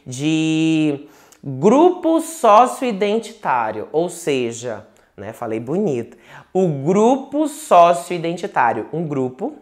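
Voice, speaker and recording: Chatty Manaus-accented man teaching. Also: fairly high pitch. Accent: Manaus Portuguese. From Manaus, Brazil. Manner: chatty and digressive, with frequent restarts and tag questions. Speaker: tarot teacher. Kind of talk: casual online lecture. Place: home, indoors.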